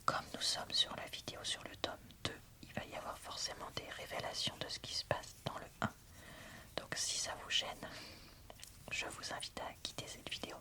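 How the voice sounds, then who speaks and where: A woman softly whispers an ASMR book review and reading in an unhurried, informal way. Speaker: book reviewer and video host.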